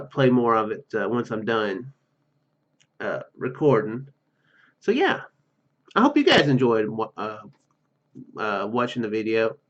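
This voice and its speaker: A man's voice: medium pitch, lo-fi sound. A man reading a visual novel aloud and commenting casually, often stumbling over his words. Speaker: gaming YouTuber.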